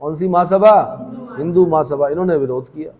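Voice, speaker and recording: A man's voice: on the high side, brisk, warm tone, big-room sound. A male coaching teacher giving a classroom lecture, reading points aloud, then asking students questions and explaining plainly. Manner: reads text then explains in plain talk.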